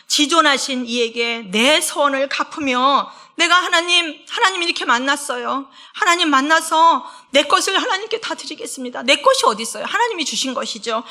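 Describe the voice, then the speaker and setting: A woman associate pastor preaching a sermon in a church, acting out God's and people's words with animated voices. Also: sits high. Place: church sanctuary.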